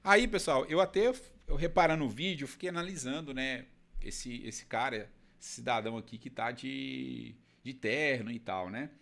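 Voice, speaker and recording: A man's voice: medium pitch, moderate pace, vocal fry, a bit bright. A man hosting a casual legal commentary video, chatting directly to his viewers.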